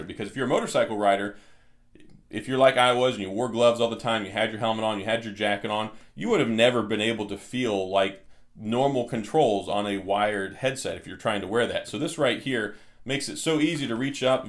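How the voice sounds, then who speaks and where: A man giving a casual product walkthrough as a reviewer, explaining things step by step. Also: on the low side.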